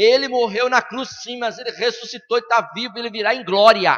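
Against a quiet background, this man talks at a moderate pace. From Brazil. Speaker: pastor. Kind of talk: sermon. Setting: church. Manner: animated, emphatic preaching; rhetorical questions to congregation, call-and-response. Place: church. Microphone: handheld.

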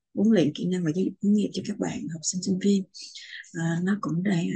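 Somewhat breathy, a woman's voice comes across in a dark, mellow tone. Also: quiet background. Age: 40s. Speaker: skills trainer and career educator. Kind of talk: application video testimony. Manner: formal; halting. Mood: earnest, grateful, polite. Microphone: webcam.

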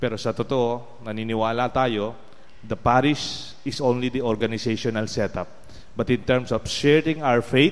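A man's voice at medium pitch and a moderate pace. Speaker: priest. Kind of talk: homily at Sunday Mass. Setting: church. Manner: formal, earnest preaching; code-switching Tagalog and English. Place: church.

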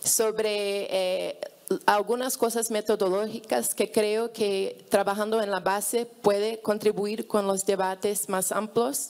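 This woman speaks very slowly at a medium pitch. Her intonation is flat and monotone. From Brazil, Rio de Janeiro. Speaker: nonprofit founder. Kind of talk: conference presentation. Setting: stage with audience. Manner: halting. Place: hall. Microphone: handheld.

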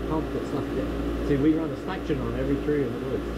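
A man speaks against loud background noise. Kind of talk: interview answer. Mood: cheerful, laughing. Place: workshop. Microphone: phone near.

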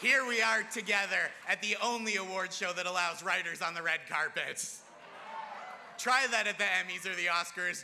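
Some light noise sits in the background. A man's delivery comes at a moderate pace. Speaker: awards show host. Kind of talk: comedy monologue. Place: hall. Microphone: podium.

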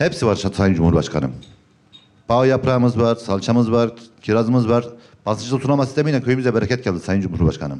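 The speech moves at a fairly quick pace with lively intonation and very even loudness. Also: man. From Turkey, Tokat. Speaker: village headman and farmer. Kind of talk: town-hall chat. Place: hall. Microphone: handheld.

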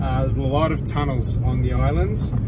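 The speech comes at a moderate pace in a dry sound with no echo, over loud background noise. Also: man. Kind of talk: casual vlog chat. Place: car. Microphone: phone near.

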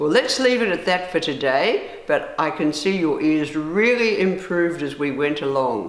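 A woman speaks in a very deep, low voice at a fairly slow pace. The room echo is audible. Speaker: teacher. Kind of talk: lesson to young pupils. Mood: warm, encouraging. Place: home room.

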